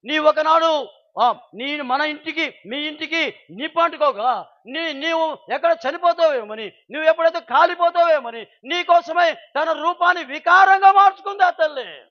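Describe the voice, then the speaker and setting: A male pastor preaching a sermon with passion, swinging from loud outcries to hushed storytelling, in a dull lo-fi recording. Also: very high-pitched, lively intonation, moderate pace.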